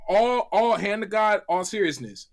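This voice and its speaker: A man's voice: sits high, expressive, normal speed. A man on a gaming live stream panel, bantering in casual slang with an insistent, emphatic manner.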